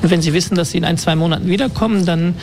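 A German resort manager answers interview questions at a holiday resort in Turkey, explaining things fluently with occasional hesitations. His voice is high and he speaks very fast.

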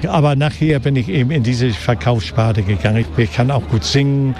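A man's voice: mid-range voice, a little fast, darkish tone. Old guy, 80s, market fish seller, talks like a showman, keeps tacking on "ne", outdoors at a market. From Hamburg, Germany. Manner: chatty showman, tag questions like "ne". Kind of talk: casual interview.

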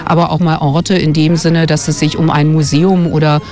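A woman's voice: sits low, little pitch movement, normal speed, darkish tone, faint music behind. A woman from West Berlin, a radio journalist and travel guide author, explaining fluently and thoughtfully in a radio interview on a forest walk. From West Berlin, Germany. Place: outdoors on a winter forest walk.

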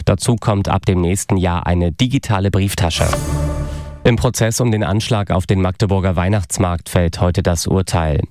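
A man reading the news on a regional radio station in a measured, even way. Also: low-pitched. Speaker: newsreader.

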